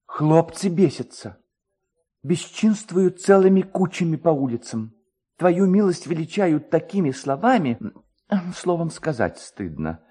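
Man acting a higher-pitched fawning village clerk. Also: big pitch swings, unhurried, mellow, husky, full character voice. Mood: aggrieved. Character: skinny, fawning, indignant male village clerk.

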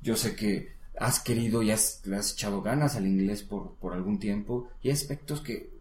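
A man's voice: on the low side, moderate pace, darkish tone, a little hiss or hum. A man with a Mexican Spanish accent teaching English one-on-one, patient and encouraging, often checking in with the learner. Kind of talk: casual one-on-one lesson. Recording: roomy echo.

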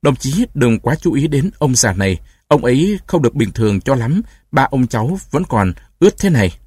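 A man voicing a sensible young schoolboy who reasons in an earnest way, with a husky voice. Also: medium pitch, big pitch swings, normal speed, a little mellow, no room sound.

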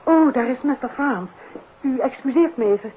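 An actress playing an earnest, worried schoolmistress, formal and anxious, in a 1950s Dutch radio drama. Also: female voice, high-pitched, lively intonation, normal speed. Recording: muffled, noisy 1950s radio recording.

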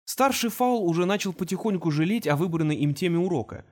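A man narrating an audiobook in an expressive storytelling manner. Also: high-pitched, fast talker. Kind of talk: scripted narration.

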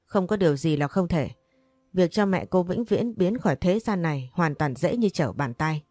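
A woman's voice: lowish voice, animated, normal speed, darkish tone, no room sound, soft background music. Woman reading a cold middle-aged thug boss. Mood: threatening. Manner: cold, threatening.

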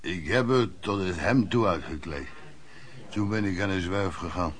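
Slow, deep, boastful drunk. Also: male voice. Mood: bitter, rambling. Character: boastful, down-and-out drunken male flower peddler. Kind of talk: Dutch radio play acting.

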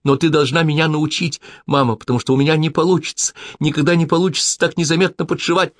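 A man's voice: medium pitch, moderate pace, no echo, voice pushed up, lightly acted. A man reading as a desperate young pregnant woman pleading on the phone, tearful and urgent.

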